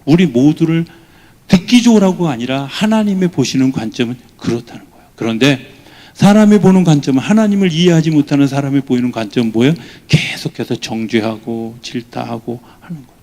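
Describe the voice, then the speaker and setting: A male pastor preaching a midweek sermon in a church. His voice is mellow and warm, and he swings between soft asides and loud, high bursts as he acts out quoted lines. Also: expressive, a little fast.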